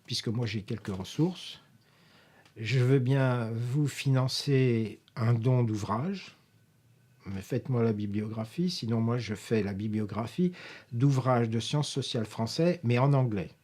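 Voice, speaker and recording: Older French professor, interview guest, husky voice, a middle pitch, wandering anecdotal delivery full of pauses. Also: male voice, a little mellow. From France. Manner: rambling, with many hesitations and self-corrections. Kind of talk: filmed interview, anecdotal recollection.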